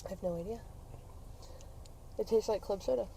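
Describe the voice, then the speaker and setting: A woman's voice: mid-range voice, moderate pace, dark tone. A woman podcast host chatting casually in a playful, giggly, talkative way. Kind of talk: casual chat. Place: on the go, around parking lot and car. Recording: noisy on-location recording with vehicle ambience. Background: clear ambient and vehicle noise.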